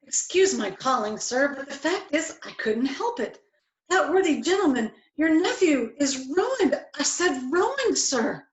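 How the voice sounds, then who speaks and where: A woman's voice: sits high, very animated, a little slow, muffled recording. A woman playing a deferential, easily astonished male clerk, flustered, in an amateur reading of a stage play. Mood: flustered, apologetic. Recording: very echoey room.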